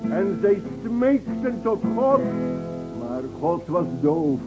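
A man's voice: sits high, very animated, slow, exaggerated voice. A man playing a defiant village singer, chanting a ballad in a radio drama. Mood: mournful chant. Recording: muffled old radio play recording. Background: plucked guitar music.

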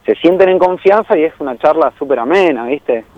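A young man with an Argentine accent talks as a guest in a radio studio. He is relaxed and wandering, with many fillers. His voice sits a little high, and the sound is dry and dull. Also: a little fast, dry recording. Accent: Argentine Spanish. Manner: relaxed and rambling, many fillers, laughs easily. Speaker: guest, tour guide and traveler. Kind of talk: casual radio interview.

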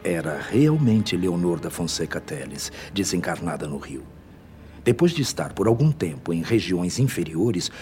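An actor playing a benevolent, composed spirit mentor in a radio soap, explaining in a measured, formal way. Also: male voice, low-pitched, dark tone, slight background noise. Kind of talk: radio soap opera acting.

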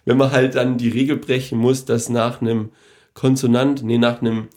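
A man's voice: mid-range voice, level tone, moderate pace, darkish tone. A young man co-hosting a podcast, rambling and opinionated in casual chat, swearing freely. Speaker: podcast co-host.

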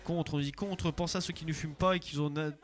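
A man's voice: on the high side, steady tone, a little fast. A man hosting a casual radio call-in show, joking, teasing and rambling between listener messages.

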